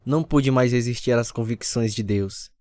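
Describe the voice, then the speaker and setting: An actor in his 30s plays an earnest, repentant husband who narrates his conversion story in the first person as the lead of a scripted radio drama, delivered in an earnest, confessional way over acoustic guitar music. His voice is medium-pitched, a little mellow, and at normal speed, lightly acted, with clean studio sound and no echo.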